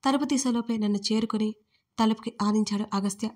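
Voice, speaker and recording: A woman storyteller reading a first-person audio story in a steady, earnest way. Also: fairly high pitch, fairly quick. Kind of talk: scripted first-person narration.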